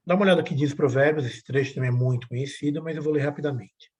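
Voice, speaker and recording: A man's voice: on the high side, fast, a little mellow. A man teaching a Bible lesson in a conversational way, often ending points with "né?" and repeating key phrases. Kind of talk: teaching a Bible lesson, reading scripture aloud.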